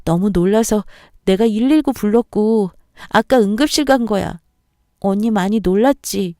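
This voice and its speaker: A woman's voice: medium pitch, normal speed, warm tone, no echo, clean studio sound, voice pushed up, natural voice. Woman reading a fretful younger sister. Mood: worried.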